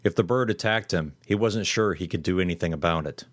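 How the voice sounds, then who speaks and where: A man reading a horror story aloud in steady, measured scripted narration. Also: sits low, dry recording.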